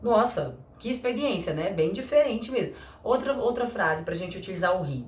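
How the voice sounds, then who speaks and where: Lively woman teacher, echoey room. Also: mid-range voice. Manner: chatty, lively, acts out little dialogues, slows for example sentences. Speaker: English teacher. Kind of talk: casual explanatory lesson.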